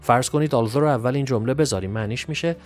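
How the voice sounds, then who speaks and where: Male English tutor, methodical explainer, mid-pitched, faint music bed. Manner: methodical, reads English examples slowly and clearly. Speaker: English teacher. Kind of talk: exam answer walkthrough.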